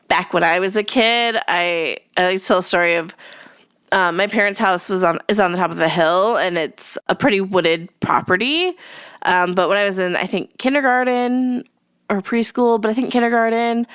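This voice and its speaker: A woman's voice: mid-range voice, a bit bright, clean tone, dry recording, clean studio sound. A young woman hosting a podcast in a loose, chatty way full of fillers, sounding a little stuffy from allergies. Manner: rambling, filler-heavy, friendly. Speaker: podcast host. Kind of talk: casual chatty podcast talk.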